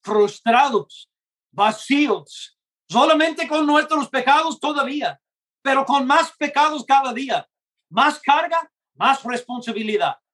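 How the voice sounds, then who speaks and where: This man's pitch is extremely high, and his delivery is expressive, pushed and bright. He preaches a gospel sermon in Spanish, not his native tongue, slow and earnest, playing out short dialogues.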